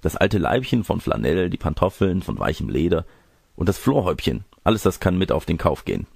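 Ein Mann spricht einen lüsternen, schwülstigen bösen Zauberer in einem Märchen, schmeichelnd und durchtrieben. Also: male voice, low-pitched, big pitch swings, a little fast, creaky, darkish tone, husky, no echo, clean studio sound, full character voice. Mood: mock polite. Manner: florid, gushing, sly. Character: lecherous, pompous male evil sorcerer seducer.

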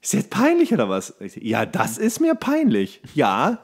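Male podcast co-host, mid-pitched voice, teasing comedic banter. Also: wildly swooping pitch, normal speed, breathy edge. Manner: joking, teasing, often chuckling as he talks.

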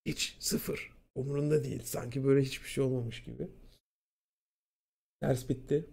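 A young man casually telling a school story, animated and profane, acting out what people said. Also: medium pitch, moderate pace, gravelly, breathy edge. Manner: animated, profane, acts out quotes. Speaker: streamer.

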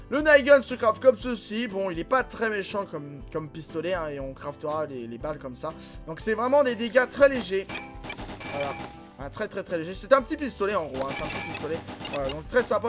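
A man hosting a gaming channel, commenting casually and excitably on gameplay, filling his talk with voilà and hein. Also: high voice. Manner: excitable, filler-heavy, frequent voilà and hein. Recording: game music clearly behind voice. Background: background music and in-game explosions.

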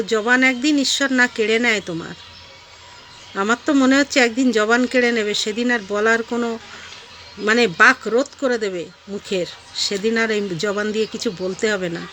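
A woman, talking to her viewers in a vlog. She gives a sharp, preachy rebuke and mixes in devotional chants. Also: on the high side. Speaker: online vlogger. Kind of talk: scolding video monologue.

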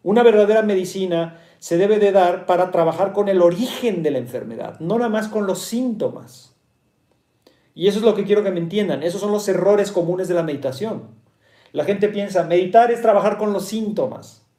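A man's voice: sits high, moderate pace, warm tone, reverberant. Mexican man teaching with rhetorical questions. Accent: Mexican Spanish. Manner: repeats and rephrases key points. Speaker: meditation teacher. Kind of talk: explanatory talk to listeners.

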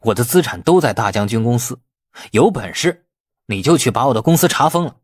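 Man acting brazen, husky, taunting rogue. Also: mid-range voice, expressive, fairly quick, dry recording, studio quality. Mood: defiant. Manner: defiant, taunting. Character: brazen, cunning man defying the police.

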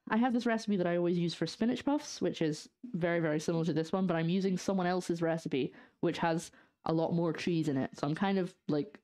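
Cooking at home on a casual live stream, this young adult woman talks to her viewers in a deep, darkish voice. She's from northeast Scotland, with a light accent that leans somewhat English and a faint lisp caused by her brace. Her chatter is playful, peppered with sarcastic remarks aimed at chat.

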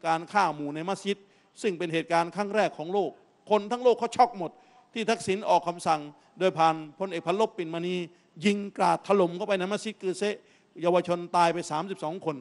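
A middle-aged man giving an impassioned political talk, emphatic and lecturing in tone. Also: high voice. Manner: emphatic, lecturing with frequent particles. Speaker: political guest speaker.

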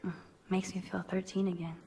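A woman's voice: on the low side, level tone, brisk, dark tone, faint music behind, close to an everyday voice. A young woman voicing an observant teenage student in a video game, with dry, wry musings.

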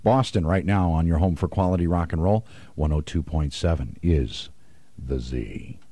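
Male American rock radio DJ, low-pitched and mellow, studio delivery with music underneath. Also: normal speed, a little hiss or hum. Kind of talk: rock radio DJ patter between songs.

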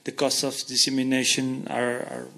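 A man's voice: mid-range voice, completely flat delivery, moderate pace, vocal fry, pushed and bright. Brief: thirties Portuguese-accented man, conference Q&A, handheld mic, earnest, gestures while explaining. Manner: earnest, explains with hand gestures, frequent restarts. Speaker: invited speaker answering audience questions. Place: conference hall stage, seated in armchair.

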